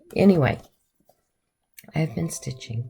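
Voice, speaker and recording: Very deep, low female voice, dark and mellow in tone, with vocal fry. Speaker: cross-stitch vlogger. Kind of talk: casual chat.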